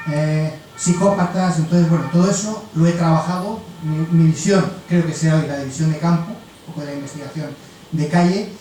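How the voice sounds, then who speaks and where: A middle-aged man introducing himself as a panel guest in a conversational, halting way. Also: a little high, dark tone. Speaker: police investigator and new writer, panel guest. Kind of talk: informal spoken self-introduction. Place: event room at a festival. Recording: echoey room, distant mic, faint noise.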